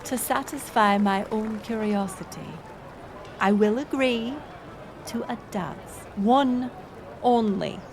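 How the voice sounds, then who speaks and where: A woman playing a curious, playful village woman in an intimate audio roleplay, speaking in measured, teasing, old-fashioned phrases. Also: a little high, noisy background. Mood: flirtatious, curious. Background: music.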